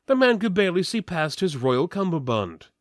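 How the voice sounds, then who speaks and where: A man's voice: high voice, moderate pace, no echo, clean studio sound. A man giving a mock-serious dramatic reading of fantasy fiction, narrating theatrically while keeping a straight face. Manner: theatrical, deadpan delivery of absurd lines.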